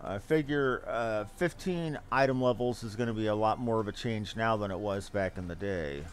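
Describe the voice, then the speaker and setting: Game music plays in the background as a streamer with a lowish voice chats at a moderate pace, giving rambling, off-the-cuff commentary and reasoning aloud while he plays.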